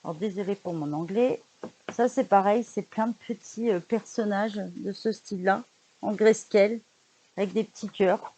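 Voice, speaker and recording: A woman's voice: mid-range voice, moderate pace, dark tone, a little hiss or hum. A woman vlogger in casual chat, showing books she bought, hesitant with frequent fillers and restarts, recorded indoors at home. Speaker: vlogger showing a book haul.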